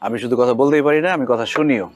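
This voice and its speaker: An actor playing a sly, vengeful husband in a Bengali comedy skit, taunting and menacing over music. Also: male voice, medium pitch, rapid-fire, no echo, lightly acted. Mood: gloating menace. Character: sly vengeful husband who pretends to be deaf-mute. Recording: music behind the voice.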